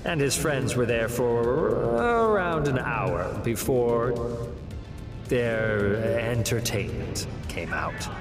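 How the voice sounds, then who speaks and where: An actor playing a smooth-talking demon who works as a defense lawyer, telling his story in a theatrical, wry way for an audio drama. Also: mid-range voice, animated, takes it slowly. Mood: matter-of-fact, cynical. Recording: reverberant hall, music underneath.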